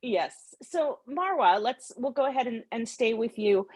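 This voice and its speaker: A middle-aged woman moderating a panel in a friendly, brisk, polite way on a video call. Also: a little high, lively intonation, a little mellow, no room sound.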